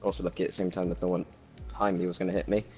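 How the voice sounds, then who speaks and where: A Welsh man with a low, flat voice runs loosely through his race, with plenty of ums and restarts. He talks casually into a home microphone, and faint music plays underneath. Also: very fast. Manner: rambling race recap with many fillers. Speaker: racing league driver. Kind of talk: casual post-race chat. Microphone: new home microphone.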